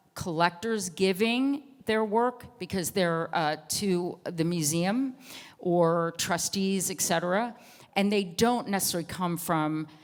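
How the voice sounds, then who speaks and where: At a fairly slow pace, a woman uses an unremarkable speaking voice at medium pitch with ordinary pitch variation. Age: 60s. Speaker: artist and panel moderator. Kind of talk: panel discussion Q&A.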